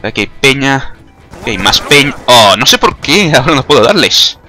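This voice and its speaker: A young gaming commentator with a Spanish accent from Spain jokes through his gameplay and ribs his own skills. He speaks at medium pitch and normal speed with big pitch swings and a sharp tone, over soft background music.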